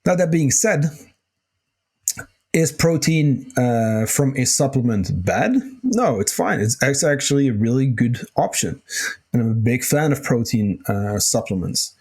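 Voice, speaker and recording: Male podcast host, mid-pitched, slightly hoarse voice, laid-back solo Q&A delivery, informal and a bit sweary. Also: expressive, a little slow, a little mellow. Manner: casual, swears freely, many fillers. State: slightly hoarse, clears throat. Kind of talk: casual solo Q&A talk.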